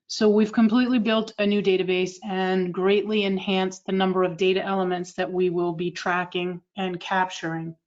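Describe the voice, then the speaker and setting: Massachusetts woman, flat steady delivery. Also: medium pitch, normal speed, few pauses, dull audio. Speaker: state agency representative. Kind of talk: virtual meeting update.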